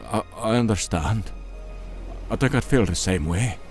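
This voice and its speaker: A man acting a kindly, protective big demon henchman in a fan audio drama, earnest and soft-hearted in manner. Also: lowish voice, measured pace, faint music behind, natural voice. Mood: apologetic, sympathetic.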